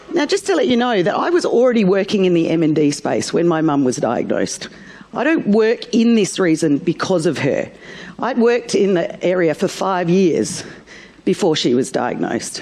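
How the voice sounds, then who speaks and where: A woman with an Australian accent talks at a medium pitch with very wide pitch swings and very even loudness, against noticeable background noise. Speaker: clinician. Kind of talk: facilitated discussion talk. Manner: fast.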